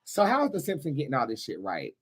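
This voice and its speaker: A man with a mid-range voice talks as a show host giving informal commentary. He pauses often as he goes, then leans hard on key words. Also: medium pitch, wildly swooping pitch, very noisy. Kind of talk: casual commentary to camera.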